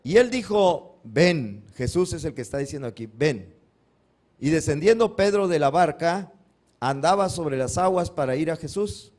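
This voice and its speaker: A man's voice: on the high side, lively intonation, normal speed, a little mellow. A male pastor giving a Sunday sermon, posing questions to the congregation and answering them himself, acting out the cries of the Bible figures. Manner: acts out biblical cries dramatically.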